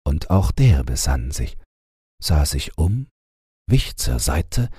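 Very deep, husky man reading a bedtime story. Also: dry recording, clean studio sound. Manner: measured, expressive storytelling with deliberate phrasing. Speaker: audiobook reader. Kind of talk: slow bedtime storybook narration.

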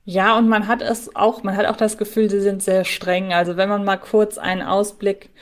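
A woman speaks as a podcast co-host. Her pitch is average for a woman. She analyses in a casual, conversational style, as if talking to a partner. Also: flat delivery, normal speed.

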